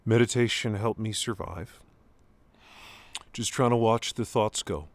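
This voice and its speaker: A man playing a grieving adult son talking to his father in an intimate, halting monologue whose voice sometimes breaks high. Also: dry recording. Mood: reflective. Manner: halting, restarts, voice breaking into high strained pitch.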